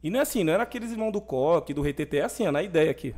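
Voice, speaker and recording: A young adult man speaking as a podcast guest, his voice sitting a little high for a man. He tells his story with energy and plays out the lines of the people in it as he goes. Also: rapid-fire. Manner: animated testimony, acting out quoted dialogue. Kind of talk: conversational storytelling.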